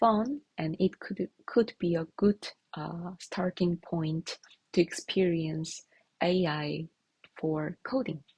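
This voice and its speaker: A woman with a Korean accent speaks very slowly in a dark, mellow, somewhat breathy tone at a fairly low pitch. Her pitch varies in an ordinary way, and the sound is dry and close with no echo. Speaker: software developer vlogger. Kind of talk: casual devlog talk to camera. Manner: halting, with fillers and restarts.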